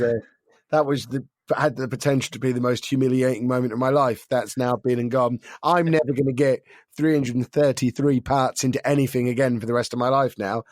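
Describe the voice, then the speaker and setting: A man hosting a casual podcast, his voice a little croaky, talking with dry self-deprecating humour. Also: medium pitch, dry recording. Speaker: podcast host.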